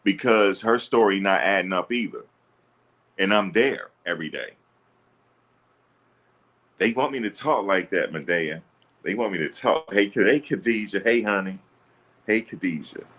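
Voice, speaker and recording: A man with a deep voice hosting a livestream, reading and answering chat comments in a blunt, assertive, combative way. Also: normal speed, long pauses, a bit bright. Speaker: livestream host. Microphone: streaming setup.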